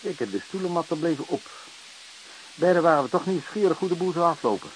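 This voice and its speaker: Actor as a lively high-pitched gossiping onlooker. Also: male voice, fast talker, natural voice. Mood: amused. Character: curious gossiping onlooker recounting a rowdy evening. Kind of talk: Dutch radio drama acting. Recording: noisy old radio play recording.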